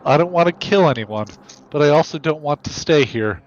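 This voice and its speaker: A man's voice: fairly high pitch, expressive, brisk, close to an everyday voice. A man voicing a cool, haughty, sardonic young man with a smug, condescending manner in a game playthrough. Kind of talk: amateur voiced playthrough of a visual novel game. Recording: dull mic with faint background noise.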